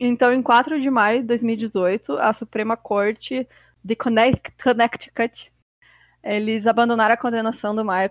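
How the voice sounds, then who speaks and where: Recorded very cleanly against a silent background with a dry, close sound and no echo, a woman with a fairly high pitch speaks at a fairly slow pace. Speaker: podcast host. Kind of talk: true crime storytelling.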